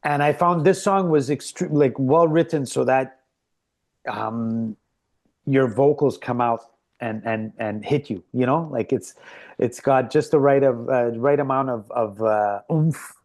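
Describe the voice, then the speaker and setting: Halting man hosting a music interview. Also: medium pitch, a little mellow. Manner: halting, many restarts, appreciative. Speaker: host. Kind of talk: casual interview chat.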